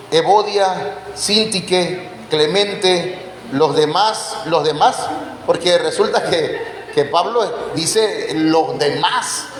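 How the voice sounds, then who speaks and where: Male preacher, slow unhurried delivery with a raised pitch, quizzes the flock, roomy hall reverb with a faint background hiss. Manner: quizzes the congregation with questions; addresses listeners as brothers. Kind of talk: Bible teaching sermon. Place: church hall. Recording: echoey church hall, faint background noise.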